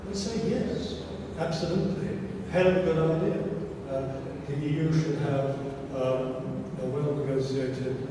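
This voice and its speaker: A middle-aged man from Belgium speaks at a panel, pressing his points bluntly between ums and uhs. His voice sits in a long, echoing hall, caught from far off the mic. Steady room noise runs underneath. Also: fairly high pitch, unhurried, few pauses. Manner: emphatic, blunt asides, frequent fillers. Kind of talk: policy discussion talk. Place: large conference hall. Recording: echoey hall, picked up from far off.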